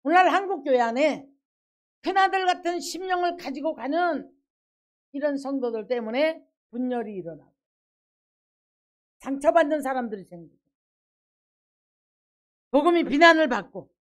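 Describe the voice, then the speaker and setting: Woman pastor, middle-aged, high voice, emphatic preaching style that voices quotes. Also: lively intonation, moderate pace, long pauses. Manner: preaches with acted quotes and emphatic rhetorical questions. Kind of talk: sermon.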